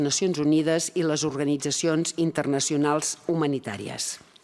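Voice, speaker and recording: A woman with a fairly low pitch takes her words at a fairly slow pace. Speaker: council meeting chair. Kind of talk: formal statement reading. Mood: formal, serious. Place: hall. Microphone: podium.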